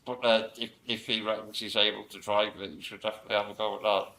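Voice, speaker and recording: A young man speaking on a panel, answering audience questions in a relaxed, joking way. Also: fairly low pitch, fast talker. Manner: joking, self-mocking, relaxed. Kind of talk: casual Q&A answers. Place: meeting room with an audience.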